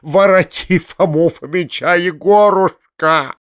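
A shrill, capricious old mother, put on by a male reader, her pleas pushed far above his usual register and drawn out slowly. Her wailing is high and urgent. The recording is dry and close, with no room sound. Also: fairly bright tone, clean tone, no room sound.

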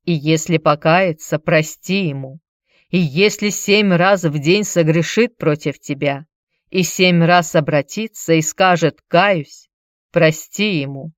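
A woman voicing a white-haired old apostle who speaks slowly and solemnly. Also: low voice, dry recording, studio quality. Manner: slow, solemn.

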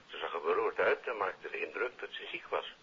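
A dismissive, matter-of-fact senior policeman speaks Dutch with a Netherlands accent over a telephone. His voice is lowish and very husky, with brisk authority. It comes from a dull-sounding 1950s radio play. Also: expressive, sharp tone, heavily acted. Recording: dull old radio recording.

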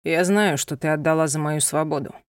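A woman's voice: deep voice, brisk, no room sound, clean studio sound, voice pushed down, lightly acted. A woman voicing a proud, stern young gypsy man who speaks coldly and curtly. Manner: cold, curt and commanding.

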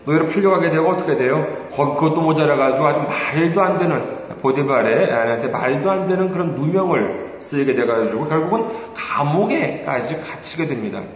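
A male pastor delivers a sermon in a lively, rising and falling voice, keeping it conversational with rhetorical questions and hesitant fillers. The sound is very echoey, with a long hall reverb and faint room noise behind. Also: a little high. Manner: hesitant with many fillers, chuckles while telling stories.

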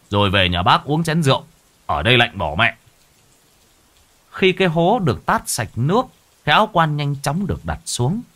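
A man narrating a folk horror story in a dramatic, expressive way. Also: mid-range voice.

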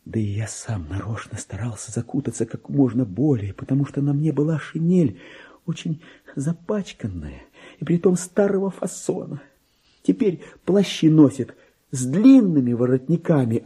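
A man's voice: on the high side, mellow, breathy edge, exaggerated voice. An actor voicing a petty, resentful, self-important male clerk in a radio play monologue, theatrical and grumbling, with mimicry of other people. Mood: fretful, self-conscious. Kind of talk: dramatic monologue in a Russian literary radio play.

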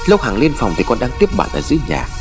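A man's voice: mid-range voice, huge pitch swings, quick pace, music in the background. A man doing a shaken young husband. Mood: distressed. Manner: trembling, distressed.

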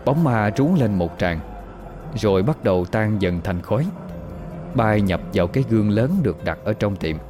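Deep-voiced man narrating a horror tale. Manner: slow, even, suspenseful. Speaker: storyteller. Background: faint music.

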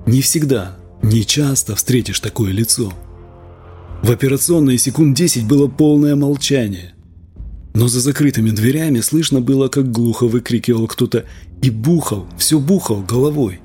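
A man reads literary prose aloud with a measured, expressive delivery. His voice is husky and mid-pitched. Faint music runs quietly underneath. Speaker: audiobook narrator. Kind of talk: literary audiobook narration.

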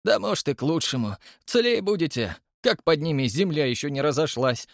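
A man voicing an elderly, frightened woman concierge who gossips and complains in a hushed, fretful way. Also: a little high, animated, brisk, vocal fry, dry recording, studio quality, pitched above the performer's own voice. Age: older.

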